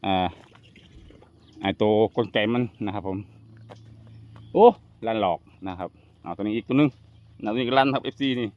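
A man's voice: lowish voice, moderate pace, pauses often. Chatty man narrating outdoors. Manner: chatty, addresses viewers as brothers and sisters, laughs easily. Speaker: vlogger. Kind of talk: casual outdoor fishing vlog. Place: outdoors in rural fields. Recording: muffled lo-fi outdoor audio.

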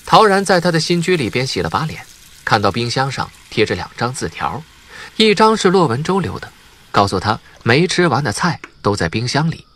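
A man's voice: mid-range voice, fairly bright tone. A man reading a novel aloud as an audiobook narrator, in a scripted, dramatic storytelling style.

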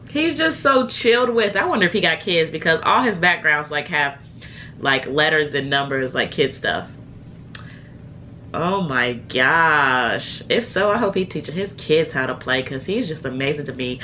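A woman's voice: fairly low pitch, pushed and bright, a little hiss or hum. Chatty young woman with a slight cold. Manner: chatty, addresses viewers as "you guys". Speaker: reaction video host. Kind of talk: casual reaction chat. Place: small room indoors. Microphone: webcam, headphones on.

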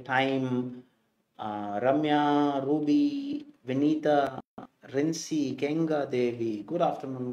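A man's voice: on the high side, a little mellow, roomy sound, rough recording. Kerala-accented man teaching online. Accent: Indian English, Kerala. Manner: chatty, repeats "okay" and "you know". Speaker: English exam teacher. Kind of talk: live online class, greeting students. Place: small indoor studio set.

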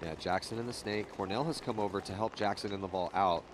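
A man giving live play-by-play sports commentary, lively on big plays. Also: fairly low pitch, quick pace, noisy background. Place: outdoor paintball field.

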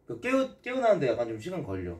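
A man's voice: on the high side, wildly swooping pitch, quick pace, a little mellow, distant mic. A man streaming casual chat, pleading and asking the same questions again and again. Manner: pleading, repeats questions over and over.

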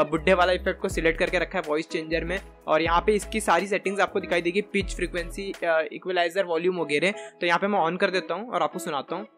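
A man in his twenties giving a casual, chatty software tutorial step by step into a close desk microphone. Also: high-pitched. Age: 20s. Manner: chatty, informal, explains step by step. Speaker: tutorial host. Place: small indoor room at a desk.

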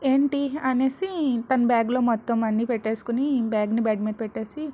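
A woman's voice: a little high, brisk, dull audio, slight background noise. A woman narrating a serial romance story in a chatty, conversational way.

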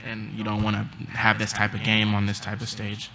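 A young man and college basketball player answering postgame press questions in a subdued, halting way, with many pauses and ums, into a table mic. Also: fairly low pitch, monotone, creaky, sharp tone, slight background noise. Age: young adult. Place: press conference room.

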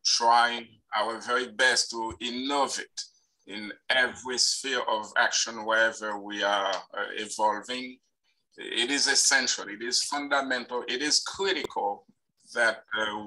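A man's voice: mid-range voice, sharp tone, rough recording. A man hosting an online symposium, giving an emphatic, formal welcome with repeated phrases and fillers. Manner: emphatic, repetitive lists. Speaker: symposium host.

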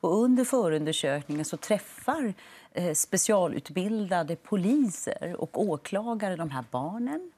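A woman in her forties speaks as a lawyer on a morning TV show. Her voice sits a little low, and she explains each point in a measured, firm manner. The sound is clean and close, from a lapel mic in a TV studio. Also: sing-song, dark tone, husky. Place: TV studio set.

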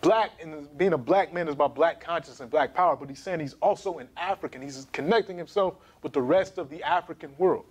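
A man in his thirties giving an emphatic, animated history lecture to camera in a small studio. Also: a little high, fairly quick, hardly any pauses, breathy edge. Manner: animated, emphatic, gesturing while pacing.

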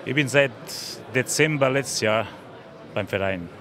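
A man's voice: medium pitch, a little slow. A middle-aged man from Bosnia and Herzegovina, a musician, speaking friendly and searching for words at an outdoor festival. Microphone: handheld mic. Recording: crowd noise behind.

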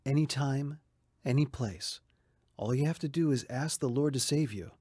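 An actor as an earnest Christian friend, dry sound. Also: male voice, mid-range voice, normal speed, a little mellow, breathy edge, no echo, lightly acted. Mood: gentle, sincere. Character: earnest Christian male friend, gently urging. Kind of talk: radio drama acting.

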